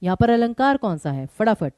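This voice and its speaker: A woman teaching an online exam-prep lesson, quizzing her students and explaining each answer briskly. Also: medium pitch, sing-song, darkish tone, no echo, clean studio sound.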